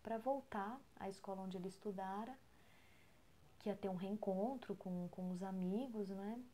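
Brazilian woman, Brazilian Portuguese accent, soft near-whisper, mellow tone, storytelling podcast at home. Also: medium pitch, normal speed, a little hiss or hum. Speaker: podcast co-host. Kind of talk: storytelling talk.

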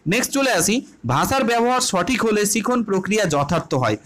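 A man with a high voice and a Bengali accent gives an online exam-prep class. He asks his students questions and answers them himself, repeats each key point and drops English terms into his Bengali. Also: lively intonation, fairly quick, fairly bright tone. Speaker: teacher.

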